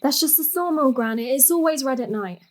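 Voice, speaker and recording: A young woman's high voice as an earnest daughter in a family drama. She is practical and direct, speaking naturally to her older relatives. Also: lively intonation, normal speed. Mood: impatient.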